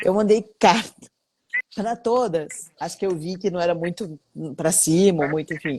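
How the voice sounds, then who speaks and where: At a fairly slow pace, a woman speaks in a fairly low, dark, mellow voice with ordinary pitch variation. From Brazil. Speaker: actress. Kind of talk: casual chat.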